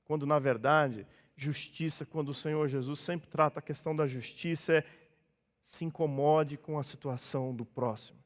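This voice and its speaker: Brazilian pastor preaching in a reverberant church. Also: male voice, on the high side, fairly even intonation, moderate pace. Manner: conversational preaching, acts out dialogues in changed voices. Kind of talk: sermon. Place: church hall.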